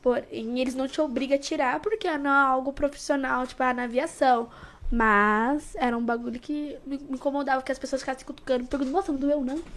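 High, cute-voiced young São Paulo woman, fast. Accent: Brazilian, São Paulo. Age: young adult. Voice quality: small, cute, cartoon-like voice. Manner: streetwise slang, animated. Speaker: interview guest, social media personality. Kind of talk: casual slangy chat.

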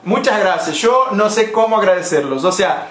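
A man's voice: high voice, expressive, normal speed, fairly bright tone, reverberant, slight background noise. A Brazilian man whose first language is Portuguese, hosting a playful live-stream language lesson and switching between languages.

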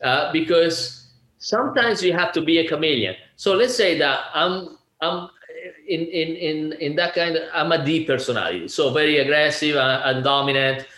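An Italian man of around sixty, a real estate agent appearing as an interview guest, talks casually in a fairly high, sharp voice at a moderate pace. He's chatty and laughs often, full of fillers and restarts, in an echoey room.

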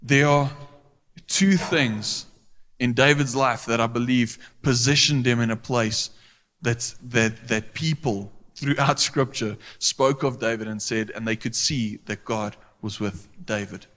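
A man's voice: mid-range voice, unhurried, a bit bright. A man preaching a sermon as a pastor, earnest and rising to emphatic, pleading peaks. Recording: long hall reverb.

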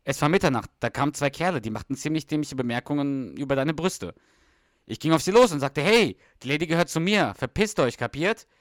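A man's voice: a little high, animated, brisk, no room sound, studio quality, pitched above the performer's own voice, close to an everyday voice. A man voicing a boastful middle-aged husband at the dinner table, reading sitcom dialogue in a brash, defensive way. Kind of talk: read-aloud sitcom dialogue.

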